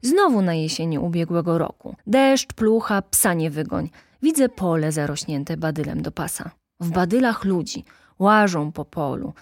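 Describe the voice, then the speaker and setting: A woman reading an audiobook, voicing a brisk middle-aged woman activist who tells her stories in a lively, indignant way. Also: on the low side, no echo.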